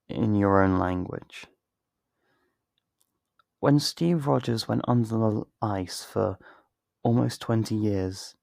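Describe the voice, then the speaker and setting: A man playing a torn, tender best friend in an intimate ASMR roleplay, speaking in a halting, emotional, pleading way. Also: on the low side, vocal fry, darkish tone, dry recording, clean studio sound. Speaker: audio roleplay voice actor.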